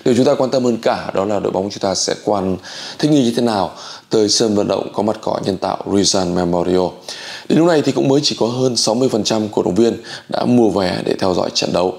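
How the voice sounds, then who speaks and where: A man in his forties hosting sports news commentary to camera, with hesitant pauses. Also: lowish voice, creaky, a little mellow. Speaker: host. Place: small indoor room.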